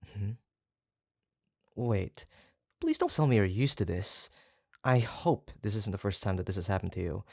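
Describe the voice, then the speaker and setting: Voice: mid-range voice, vocal fry, no room sound, studio quality. A performer playing an obsessive, lovestruck yandere kidnapper in a roleplay audio drama, hesitant and rambling as they dote on the listener. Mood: puzzled, jealous. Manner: hesitant, rambling, soft-spoken menace with nervous chuckles.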